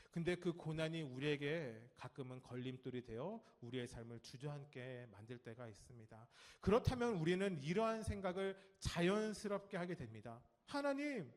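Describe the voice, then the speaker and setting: Korean pastor preaching with a lively rise and fall. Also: male voice, fairly high pitch. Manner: lively storytelling with acted quotes of nagging adults; talks directly to the congregation and children. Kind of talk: Sunday sermon. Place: church sanctuary.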